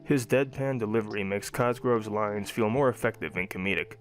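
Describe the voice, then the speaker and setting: A young adult man narrating a scripted cartoon review. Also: lowish voice.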